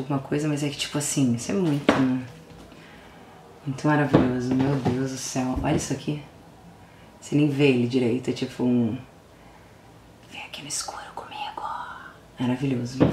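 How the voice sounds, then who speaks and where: A young female vlogger with a Brazilian Portuguese accent and a low-pitched voice gushes excitedly while unboxing an album, shifting between hushed whispers and sudden squeals. The recording has a roomy echo and faint background noise.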